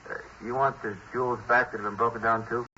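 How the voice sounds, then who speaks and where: A man's voice: medium pitch, level tone, fast talker, pushed and bright, close to an everyday voice. An American man playing a cagey, irritable middleman for stolen jewels in a 1950s radio crime drama, slangy and evasive. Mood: grudging. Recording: dull, faintly hissy 1950s radio broadcast.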